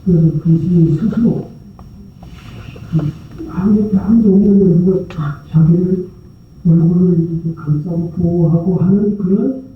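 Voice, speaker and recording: High-voiced monk preaching in an echoey hall. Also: male voice, a little slow, slight background noise. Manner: loose, conversational storytelling with rhetorical questions. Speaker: Buddhist monk giving a dharma talk. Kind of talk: sermon. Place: large temple prayer hall. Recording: very echoey hall, distant mic, tinny sound.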